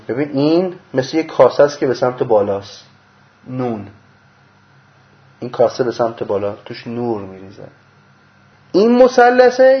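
Murmuring low one moment and bursting out loudly the next, a man delivers a mystical religious lecture explaining a diagram. He is a religious teacher who raises rhetorical questions only to answer them himself, captured on a dull lo-fi recording.

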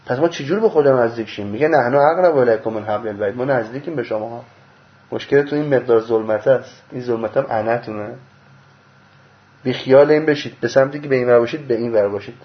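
A man giving a mystical religious lecture, explaining a diagram and asking rhetorical questions that he answers himself, swinging between loud bursts and low murmurs. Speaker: religious teacher. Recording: dull lo-fi recording.

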